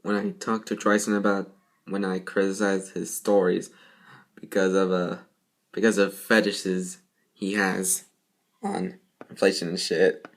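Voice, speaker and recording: A man with a fairly low voice reads a story aloud. He stumbles on words and goes back to repeat them, and gives his own commentary as the reader. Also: flat delivery, unhurried. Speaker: fan fiction reader.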